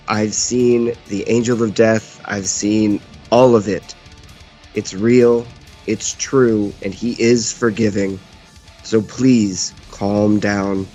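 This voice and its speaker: A man's voice: lowish voice, a little mellow. A man playing a tabletop roleplaying game, talking casually and speaking for his character.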